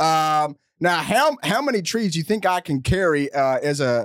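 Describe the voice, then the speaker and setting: A man in a normal speaking voice, fairly high in pitch, at a moderate pace with lively intonation. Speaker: comedian and prank caller. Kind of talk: casual comedy podcast with prank calls. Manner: joking, playful.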